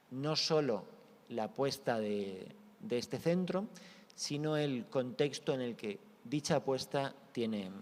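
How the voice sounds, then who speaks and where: A man moderating a conference, introducing speakers formally, with pauses and small restarts. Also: medium pitch, a little mellow. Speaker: event moderator. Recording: reverberant conference hall.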